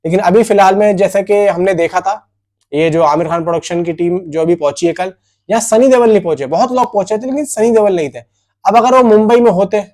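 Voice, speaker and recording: A man's voice: high-pitched, warm tone. A man giving casual film news commentary, chatty and informal, talking straight to his viewers. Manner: informal and chatty, addresses viewers as brother, poses questions and answers them. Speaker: film news video presenter.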